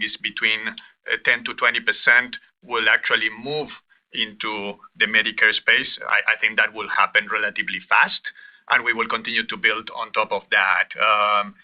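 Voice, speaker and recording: A male company executive answering questions on an earnings call over muffled conference audio. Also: fairly low pitch.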